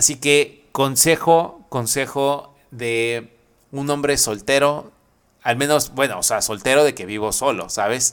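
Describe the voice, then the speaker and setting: Delivery is fairly slow. The intonation remains fairly even. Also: man. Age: 20s. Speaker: podcast host. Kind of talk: solo casual monologue. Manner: hesitant with many fillers and repetitions.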